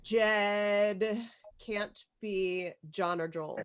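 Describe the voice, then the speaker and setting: A woman's voice: medium pitch, drawn-out words, smooth. A woman chatting casually and playfully as she hands out parts for a group script read on a video call. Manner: playful, excitable, casually sweary. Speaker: organizer of an online script table read.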